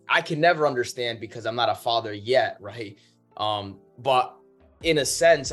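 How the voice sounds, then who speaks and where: A man's voice: mid-range voice, a bit bright. Emphatic man chatting over music. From Dominican Republic, moved to the United States at seven. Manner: emphatic, swearing, often checking with "right?". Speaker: guest, men's movement leader. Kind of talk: casual motivational chat. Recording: music behind the voice.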